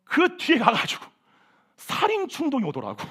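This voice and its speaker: A senior pastor delivers a sermon at a church service, animated and exclamatory, tossing in self-mocking asides. His voice is extremely high-pitched and moves at a normal speed.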